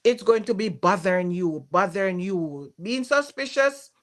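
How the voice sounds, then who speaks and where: A woman's voice: mid-range voice, lively intonation, normal speed. A woman from Jamaica co-hosting a casual live stream, patiently explaining her view. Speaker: co-host.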